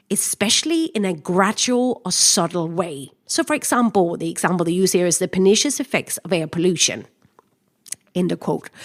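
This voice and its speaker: With lively intonation, a woman speaks at a moderate pace and medium pitch. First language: not English (third language). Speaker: career change adviser, podcast host. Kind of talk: solo podcast monologue.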